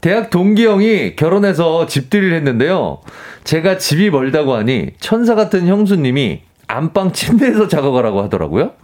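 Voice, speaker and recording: Lively laughing Korean radio co-host man. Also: on the high side, moderate pace, few pauses. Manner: lively, laughs often, acts out quoted lines. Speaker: radio co-host reading listener stories. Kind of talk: casual radio chat.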